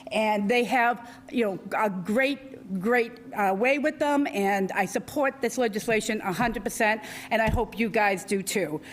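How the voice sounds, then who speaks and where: A woman in her sixties with a loud voice, speaking off the cuff at a town council meeting, chatty and full of fillers. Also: medium pitch, measured pace, hardly any pauses, slight background noise. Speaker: local businesswoman and commission chair. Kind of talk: unscripted public comment.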